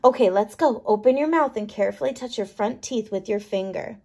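A woman kindergarten teacher reading a picture book aloud, playful and expressive, leaning on key words. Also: medium pitch, brisk, gravelly.

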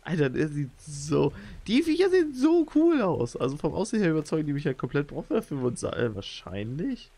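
A young man giving excitable, slangy commentary while playing a video game as a channel host. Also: on the high side, a little fast, few pauses. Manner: excitable, slangy, frequent exclamations. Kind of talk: let's play commentary.

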